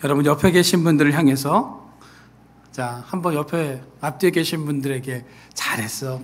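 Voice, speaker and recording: Earnest male pastor with a slightly high voice. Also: moderate pace. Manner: acts out quoted voices, then drops to a soft earnest tone. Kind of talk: sermon. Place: church sanctuary.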